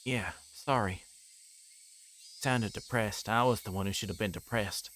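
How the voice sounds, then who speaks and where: A man livestreaming a visual novel, reading its text aloud and breaking into casual, rambling commentary as he thinks out loud. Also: lowish voice, measured pace, a little hiss or hum.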